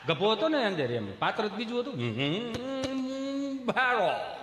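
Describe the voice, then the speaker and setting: A man with a Kathiawadi Gujarati accent telling a comic folk story on stage in a lively, chatty way, laughing along with the crowd. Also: high-pitched, fast. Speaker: stand-up comedian. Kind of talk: live folk comedy storytelling. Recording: echoey live hall recording.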